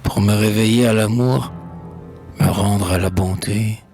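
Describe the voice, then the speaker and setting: Male poetry reader, low gravelly register, husky, solemn and measured delivery. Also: fairly even intonation, darkish tone, soft background music. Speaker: poet reading poems aloud. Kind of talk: solemn dramatic poetry recitation in French.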